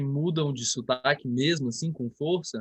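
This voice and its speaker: Fairly slow speech from a man at a fairly high pitch, in a dry, close sound with no echo. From Ceará, Brazil (mother from Minas, father from Pará). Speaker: physics teacher. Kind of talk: online class, casual chat.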